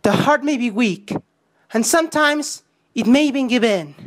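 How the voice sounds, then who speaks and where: A woman's voice: on the high side, animated, normal speed. A woman voicing a determined young boy hero from a video game, earnest and defiant.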